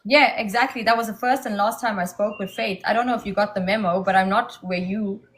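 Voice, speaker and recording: A woman's voice: mid-range voice, steady tone, fairly quick, fairly bright tone. Defiant woman livestream host. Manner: defiant, mocking comebacks. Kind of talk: casual livestream argument.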